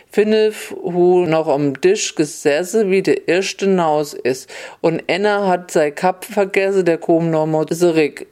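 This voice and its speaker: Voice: medium pitch, a little mellow, clean tone, lightly acted. A storyteller voicing a defiant young girl in a snow-white dress, speaking in with a cheeky, matter-of-fact manner.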